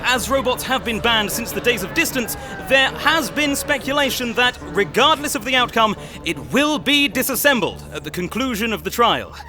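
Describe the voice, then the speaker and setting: A futuristic broadcast reporter in an audio drama. The voice is high and swings widely, with dramatic live-commentary delivery. Loud music runs underneath. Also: male voice, animated, normal speed, few pauses. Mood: excited, suspenseful. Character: breathless futuristic news reporter covering a public trial. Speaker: news reporter.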